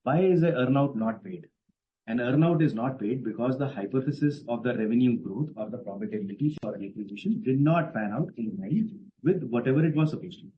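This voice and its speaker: A man's voice: medium pitch, animated, brisk. A man with an Indian accent speaking as a company executive, giving emphatic, assertive explanations to analysts. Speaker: company executive on an earnings call. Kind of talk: spontaneous explanatory answers to analysts. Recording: dull, band-limited conference call audio.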